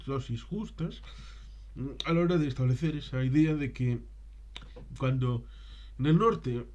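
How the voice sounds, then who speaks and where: A man presenting unscripted film commentary in a discursive, halting way, searching for his words and tossing in rhetorical questions. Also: medium pitch, mellow, lo-fi sound.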